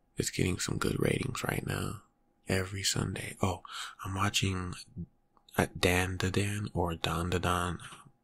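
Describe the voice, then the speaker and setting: Whispering moves along at a fairly slow pace. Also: long, frequent pauses. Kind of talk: casual roleplay chat. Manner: soft, close-mic ASMR talk. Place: home room.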